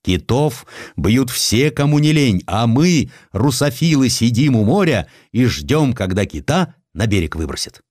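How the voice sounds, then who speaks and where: A man voicing excitable young naval cadets in a historical audiobook, urgent and gossiping. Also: mid-range voice, unhurried, dry recording, clean studio sound. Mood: indignant. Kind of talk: Russian audiobook character acting.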